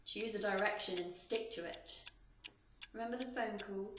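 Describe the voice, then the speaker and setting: Woman doing a sardonic mocking watcher, roomy echo, steady noise behind. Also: mid-range voice, moderate pace, close to an everyday voice. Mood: taunting. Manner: sardonic, taunting. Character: mocking female watcher of the hotel. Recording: echoey room with noise behind.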